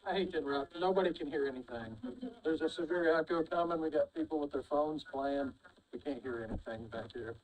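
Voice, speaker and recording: A man's voice: a little high, a little fast, pauses often, darkish tone. A man in a meeting audience urgently complaining that no one at the back can hear. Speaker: audience member. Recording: distant, noisy public meeting audio.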